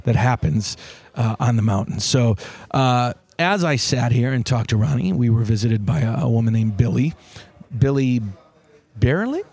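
A man's voice: mid-range voice, animated, vocal fry, a little mellow, slightly rough. Male interview host, hesitant and filler-heavy, casual. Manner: halting, many "uh" fillers. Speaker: podcast host.

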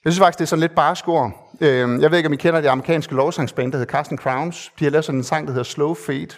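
A man preaching a sermon speaks in a fairly high voice, earnest yet conversational. He pauses on fillers and repeats phrases to drive his point home.

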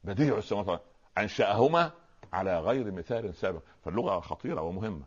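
A lower-pitched man with an Egyptian Arabic accent, talking very fast as he explains religious terms on a talk show. He keeps asking rhetorical questions to draw his listener in. The sound is dull and lo-fi. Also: lively intonation. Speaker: Islamic preacher, guest scholar.

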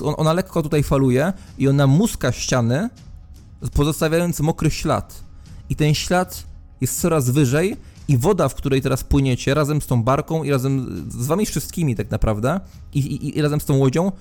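A man's voice: on the high side, normal speed, darkish tone, soft background music. Man narrating as game master. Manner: descriptive, second-person narration with small hesitations. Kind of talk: narrating a tabletop role-playing game.

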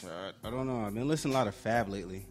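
A man's voice: lowish voice, rapid-fire, soft background music. A man talking casually and with slang as a guest on a producers' panel. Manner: slangy, terse interjections. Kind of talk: casual chat.

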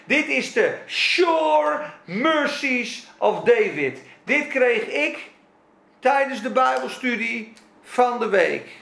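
A man preaching a sermon with fervor, his delivery swinging from soft to shouted. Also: extremely high pitch, animated, slow, vocal fry, echoey room.

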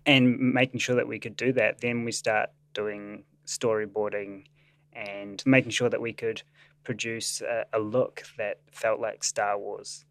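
Casual: kiwi-scientist guy, slow and thoughtful, lots of ums, smooth clear voice. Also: fairly low pitch, little pitch movement, dry recording. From New Zealand. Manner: thoughtful, with frequent "um"s. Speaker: staff scientist and animator. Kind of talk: interview explanation.

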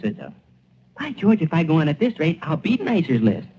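A man's voice: fairly high pitch, huge pitch swings, fairly quick. A man playing a self-satisfied, pondering small-town American family man in a 1940s radio play. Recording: dull, hissy vintage radio recording.

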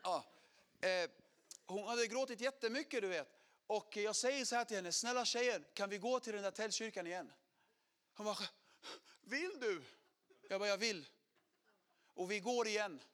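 A middle-aged man telling his conversion story as a sermon testimony, animated, acting out quotes and swinging from loud to hushed. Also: sits high, pauses often.

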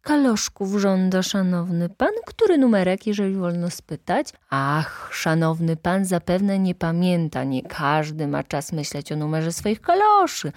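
A woman's voice: on the low side, animated, a little slow, hardly any pauses, darkish tone, dry recording, studio quality. A woman voicing a foppish young male shop clerk in an audiobook, glib and theatrical, with effusive, exaggerated politeness. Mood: obsequious, brisk.

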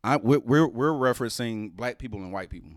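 A man's voice: medium pitch, fairly quick, dry recording. Man, African American accent, middle-aged, casual chat, emphatic, repetitive, sweary, dry close recording. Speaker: panelist in a group discussion.

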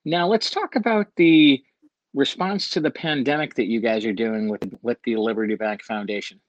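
A man's voice: medium pitch, normal speed, dry recording. A man hosting an interview over a bad internet connection that keeps breaking up. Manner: checking the line, asking to be heard. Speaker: interview host. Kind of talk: casual interview chat. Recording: dull distant broken-up internet call.

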